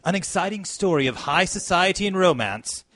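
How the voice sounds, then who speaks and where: An actor playing an excitable, genial gentleman sidekick in a radio mystery, with an exclamatory, theatrical manner. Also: high-pitched, moderate pace, no room sound. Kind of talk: old-time radio mystery acting.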